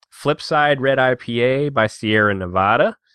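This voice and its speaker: An unremarkable speaking voice with an American accent, ordinary pitch variation and a dry, close sound with no echo. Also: man. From Tampa, Florida. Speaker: podcast host. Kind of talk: casual chat.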